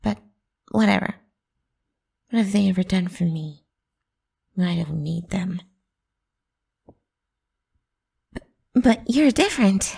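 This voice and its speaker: A woman's voice: mid-range voice, expressive, a little slow, pauses often, full character voice. Woman playing a whispery, possessive lamia girl. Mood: defiant, clingy. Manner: coaxing, teasing, soft and breathy. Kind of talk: whispered ASMR roleplay.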